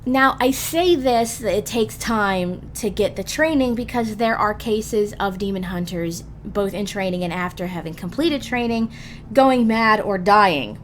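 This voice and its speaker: A woman's voice: medium pitch, unhurried, slight background noise. A woman hosting a gaming guide, narrating scripted explanations emphatically and speaking directly to the listener. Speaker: host of a gaming roleplay guide.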